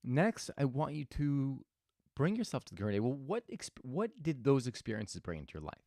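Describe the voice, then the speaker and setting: A man's voice: medium pitch, big pitch swings, moderate pace, a little mellow, no room sound, clean studio sound. A man hosting a reflective motivational talk, telling stories thoughtfully with frequent restarts. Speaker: host.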